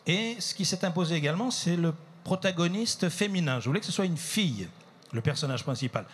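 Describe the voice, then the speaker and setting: A man's voice: fairly high pitch, animated, brisk, breathy edge. A man, a playwright, explaining his play at a library talk, hesitant and searching for words. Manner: hesitant, many fillers and restarts when speaking freely.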